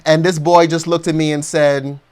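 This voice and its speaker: An American man preaching a motivational sermon, leading the congregation through slow, emphatic affirmations. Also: a little high, little pitch movement, darkish tone, clean tone. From United States.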